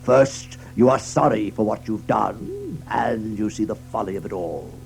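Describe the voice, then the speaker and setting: Stern, creaky-voiced old badger. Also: male voice, fairly low pitch, lively intonation, soft background music. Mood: grave, reasoning. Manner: deliberate, commanding, hesitating with gruff uhs. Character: stern, authoritative, solemn older male badger. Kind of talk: children's audio drama acting.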